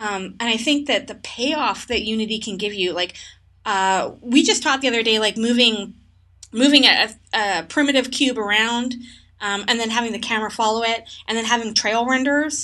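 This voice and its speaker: A woman speaks at a moderate pace with a bright, sharp tone and a fairly high pitch. The background is quiet. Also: ordinary pitch variation. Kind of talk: casual chat.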